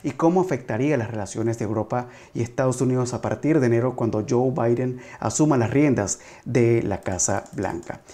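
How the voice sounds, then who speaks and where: A male journalist presents a political talk program in a mellow, soft-edged voice. He speaks formally and straight to his viewers, as a host does. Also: mid-range voice.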